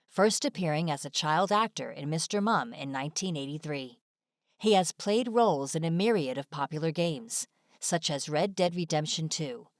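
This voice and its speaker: Woman doing scripted video voiceover, lowish voice, really dry close recording. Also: dry recording. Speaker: narrator.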